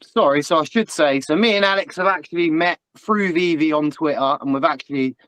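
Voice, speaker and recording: A man with a fairly high voice hosts a casual panel chat, upbeat and a little self-conscious as he introduces his guests. The sound is dry and close, with no room echo. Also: brisk, fairly bright tone. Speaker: channel host.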